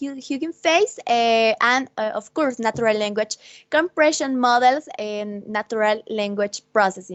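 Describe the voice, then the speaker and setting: With a Bolivian accent, a woman talks at a fairly slow pace in a high-pitched voice with lively intonation. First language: Spanish. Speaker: student ambassador, AI researcher. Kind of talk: conference presentation. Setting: online conference. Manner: halting, many fillers and repetitions.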